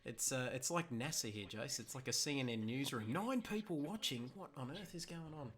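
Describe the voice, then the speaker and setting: A man hosting a live stream, loud and chatty, swearing freely. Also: animated, normal speed. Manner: loud, swears, booming greetings. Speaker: stream host. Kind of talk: casual live stream banter.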